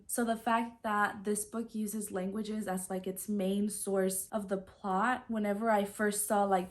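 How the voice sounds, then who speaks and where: Chatty woman with a Spanish-first background. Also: medium pitch. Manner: chatty, fills with "like" and "so". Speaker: book vlogger. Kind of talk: casual book haul chat.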